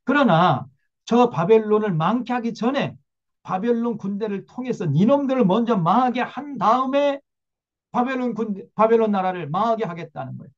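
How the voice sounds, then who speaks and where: A man's voice: high-pitched, expressive, moderate pace, lo-fi sound, voice pushed up. A man voicing God as a stern male figure who answers bluntly and scolds, in a sermon.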